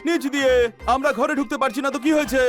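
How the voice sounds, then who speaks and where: A very high, bright, squeaky voice of a young cartoon hero, talking in an urgent, earnest way. Faint music plays behind him. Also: male voice, fairly even intonation, very fast. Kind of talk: cartoon dub voice acting.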